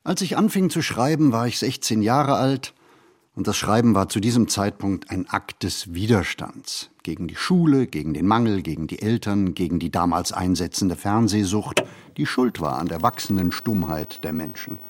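An actor playing a reflective writer in a literary radio play, speaking his monologue in measured, deliberate phrases. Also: lowish voice, lively intonation. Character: reflective male writer musing on writing and society. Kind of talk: literary radio play monologue, scripted first-person narration.

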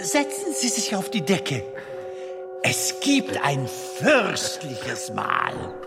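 A man's voice: a little high, huge pitch swings, extremely slow, vocal fry, full character voice. A man playing a playful, eager comedian in a theatrical audio drama, coaxing and teasing his companion. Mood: playful, enthusiastic. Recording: long reverberant hall, music behind.

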